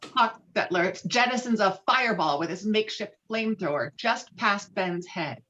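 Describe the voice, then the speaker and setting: A woman's voice: medium pitch, lively intonation, moderate pace, bright, forceful tone. A woman reading stage directions as the narrator of a dramatic script table read. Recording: dull, lo-fi call audio.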